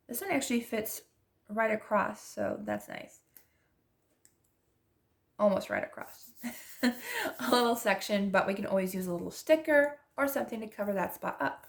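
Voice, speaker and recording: Chatty stuffy-nosed woman with gravelly fry. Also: medium pitch. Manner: chatty, gushing, restarts often. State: stuffy from allergies. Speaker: planner vlogger. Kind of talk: casual chatty narration while decorating.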